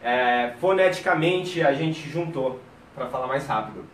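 A man with a Brazilian Portuguese accent teaching English on a live stream, energetic and calling his viewers "guys". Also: mid-range voice, unhurried, far from the mic, slight background noise. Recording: echoey room, voice off-mic.

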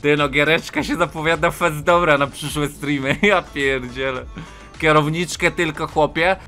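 A man streaming a truck game, yelling and swearing at other players, switching into broken English taunts. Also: on the high side, fairly even intonation, normal speed, soft background music. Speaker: gaming streamer. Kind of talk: loud, profane live gameplay commentary.

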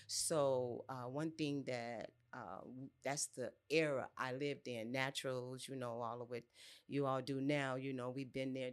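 A woman in her sixties from Chicago, telling her own story frankly and casually as a podcast guest. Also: rumbling low. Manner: frank, conversational. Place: small furnished podcast studio. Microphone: close boom-arm studio mic with headset.

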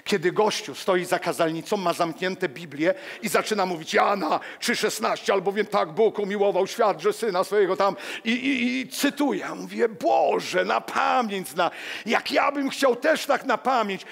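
Animated pastor preaching in a reverberant church. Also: male voice, sits high, moderate pace, gravelly. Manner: animated, walks among the pews, acts out quotes. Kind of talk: lively sermon with personal stories. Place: church hall. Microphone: headset mic.

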